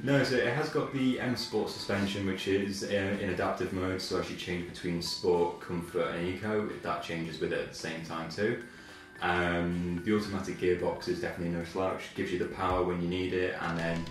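A young Englishman with a low voice chats casually, pausing often mid-sentence. The room is very echoey, the mic sits at a distance and faint music plays behind him. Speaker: interviewee, car owner. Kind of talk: casual chat while playing a video game. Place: living room, indoors.

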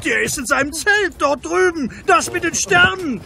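Grumbling roman soldier, really high croaky voice, slow, cartoon audio play. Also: male voice, lively intonation, sharp tone, heavily acted. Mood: indignant. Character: indignant, hapless Roman soldier. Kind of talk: comic cartoon radio play acting.

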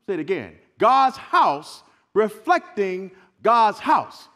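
A middle-aged man preaching as a guest pastor, loud and emphatic, calling for responses from the congregation. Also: high voice, big pitch swings, takes it slowly. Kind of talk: sermon. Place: church stage, large sanctuary.

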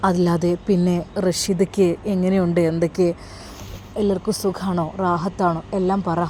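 A woman voicing a gentle older Arab employer. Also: fairly low pitch, level tone, moderate pace, slight background noise, voice pushed down, close to an everyday voice. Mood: gentle concern. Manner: gentle, coaxing questions.

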